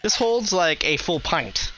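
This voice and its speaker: A man acting as game master in casual tabletop play, narrating and explaining in a halting way and repeating his phrases. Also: high voice, big pitch swings, bright, forceful tone. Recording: dull, lo-fi sound.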